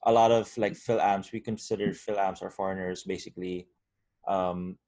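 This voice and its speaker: A man from Cebu with a Filipino accent, hosting a relaxed conversational interview with lots of backchannel replies. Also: sits low, normal speed. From Cebu, Philippines. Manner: relaxed, many backchannels, laughs along. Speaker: host.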